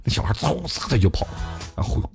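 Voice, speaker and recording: A man's voice: medium pitch, sing-song, quick pace, creaky, a little mellow, faint music behind. A man telling funny stories in a chatty comic monologue as a talk show host, often laughing at his own jokes.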